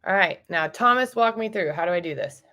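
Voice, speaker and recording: A woman's voice: lowish voice, animated, brisk, sharp tone. A young woman presenting a casual tutorial, informal and instructive. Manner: informal, instructive, asks short questions.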